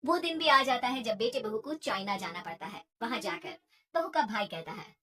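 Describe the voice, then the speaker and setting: A woman narrating a cartoon story in a slightly high voice. Her delivery stays plain and steady. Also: normal speed.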